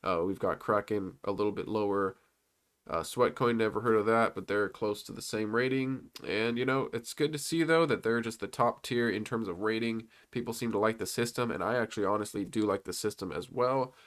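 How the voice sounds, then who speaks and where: Man, young adult, low voice, congested, casual rambling commentary, fillers and restarts. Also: a little fast, fairly bright tone. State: congested from a cold. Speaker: stock commentary YouTuber. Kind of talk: casual commentary over on-screen slides.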